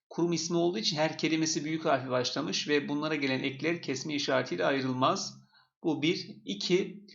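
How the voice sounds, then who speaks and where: Gravelly-voiced male teacher, steady and repetitive, talking through test questions, dull lo-fi sound. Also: on the high side. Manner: explains step by step, repeats key points. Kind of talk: exam question walkthrough.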